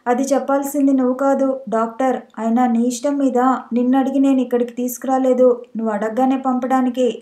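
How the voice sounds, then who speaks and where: A curt, cold young man, read aloud by a woman narrator, dismissive and flat in delivery. The recording echoes as if in a bare room. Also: sits high, brisk, hardly any pauses, natural voice.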